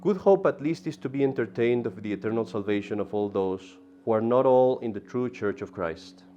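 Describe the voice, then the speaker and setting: A man teaching an adult catechism class in an animated way, often repeating himself and turning aside to talk to the class. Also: medium pitch, brisk, dull audio, a little hiss or hum.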